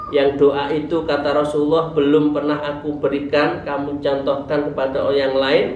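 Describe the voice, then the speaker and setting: A man speaks in a fairly high, flat monotone. Noticeable background noise and audible room echo surround him. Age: 60s. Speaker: Islamic preacher and teacher. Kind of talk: religious study lecture.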